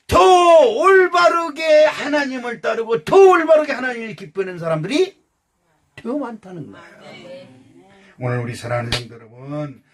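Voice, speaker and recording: An older man preaching a sermon as pastor, animated and loud, acting out quotes with bursts of shouting. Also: sits high. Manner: animated, acts out quotes in exclamations.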